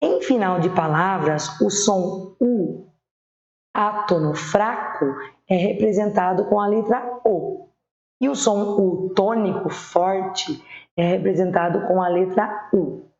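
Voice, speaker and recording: A woman with a Brazilian accent teaching primary school children spelling, patiently sounding out words slowly. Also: medium pitch, a little mellow. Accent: Brazilian Portuguese. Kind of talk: online spelling lesson. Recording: echoey room, dull lo-fi sound.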